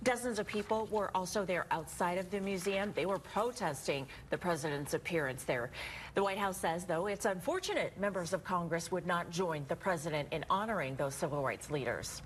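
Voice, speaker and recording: A woman's voice: lowish voice, a little fast, a little hiss or hum. An American woman presenting morning news and weather in a conversational, chatty way. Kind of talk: live newscast, partly ad-libbed forecast.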